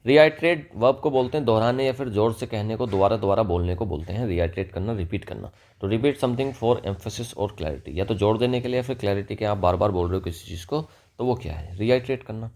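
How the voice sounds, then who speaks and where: A man with an Indian accent explains English vocabulary in Hindi as a teacher, asking and answering his own questions and reading example sentences slowly. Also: lowish voice, darkish tone.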